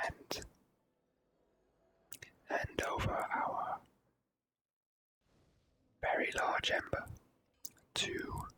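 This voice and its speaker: A person whispering slow, gentle ASMR commentary while playing a video game. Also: rough recording. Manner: hushed, gentle, slow and unhurried. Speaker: video game player and host.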